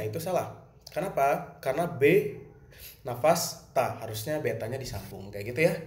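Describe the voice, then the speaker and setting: In a recorded music lesson for students, a male teacher with a Jakarta Indonesian accent explains things simply and answers the questions he raises himself. His voice sits at medium pitch and sounds a little mellow, in a roomy space with faint ambience.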